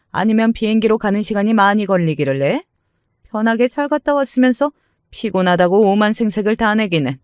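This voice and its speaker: A man voicing a domineering, scornful older mother-in-law, scolding in a shrill, contemptuous way. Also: clear, resonant tone, no echo, studio quality, close to an everyday voice. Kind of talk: dramatized story reading.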